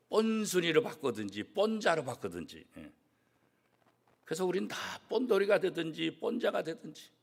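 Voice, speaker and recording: A man, a church pastor, preaching a sermon with strong emphasis, swinging from loud declarations to hushed, almost whispered asides. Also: on the high side, vocal fry. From South Korea. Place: church sanctuary.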